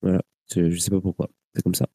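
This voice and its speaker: A man's voice: low voice, completely flat delivery, fast talker, warm tone, slightly rough, no echo. A man hosting a live radio talk show, his sinuses blocked, talking in a hesitant way with many fillers and restarts. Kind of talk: casual live radio chat.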